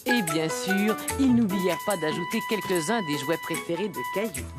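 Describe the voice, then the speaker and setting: A woman narrating a scripted children's story in an expressive storytelling manner. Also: fairly low pitch, moderate pace, over loud music.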